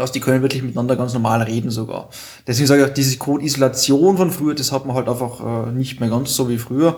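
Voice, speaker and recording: A man talks at a very fast pace with medium pitch. His voice is somewhat breathy, his intonation fairly even. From Austria, Tyrol. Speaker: software consultant. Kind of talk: technical talk in casual live stream. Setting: live video stream.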